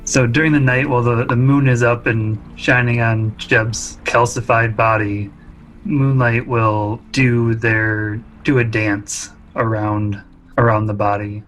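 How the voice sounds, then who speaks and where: A man's voice: medium pitch, little pitch movement, measured pace, fairly bright tone, soft background music, rough recording. A man narrates his character's story on a tabletop game podcast. His voice sits in a medium register as he tells what happens.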